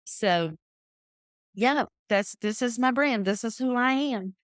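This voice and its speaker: A woman's voice: fairly high pitch, slow pace, dry recording, clean studio sound. Chatty woman guest. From Texas. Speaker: guest author. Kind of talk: casual interview chat. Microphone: video call.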